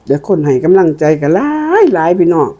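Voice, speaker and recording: A woman's voice: low voice, fast talker, dark tone. An older woman with an Isan northeastern Thai accent chats casually and in a folksy way to her viewers as she does a mukbang eating show. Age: older, a grandmother. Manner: folksy, repeatedly addressing viewers as kin. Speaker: mukbang host.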